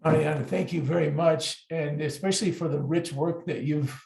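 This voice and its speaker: A man's voice: a little high, fairly even intonation, normal speed, gravelly, a little mellow. Polite male moderator in an echoey room. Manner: polite and encouraging. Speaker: webinar moderator. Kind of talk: moderating a webinar.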